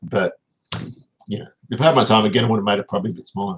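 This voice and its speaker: The intonation here is lively. The speaker talks with an Australian accent. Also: man. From Australia, Melbourne eastern suburbs. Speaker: car restorer and teacher. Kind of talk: casual chat. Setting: livestream.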